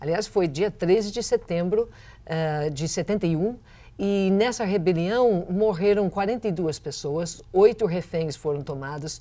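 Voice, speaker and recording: Speaking very slowly with an English accent, a woman has a dark, mellow tone at medium pitch with ordinary pitch variation. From US, western New York (Buffalo); western New York. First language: English (speaking Portuguese). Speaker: author and professor; professor. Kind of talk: TV interview. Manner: halting, many fillers. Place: studio. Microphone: lapel.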